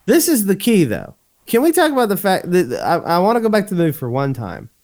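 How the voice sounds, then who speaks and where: A man's voice: high voice, wildly swooping pitch, fast talker, darkish tone. A young man co-hosting a podcast in casual chat, swearing freely and laughing often. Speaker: podcast co-host.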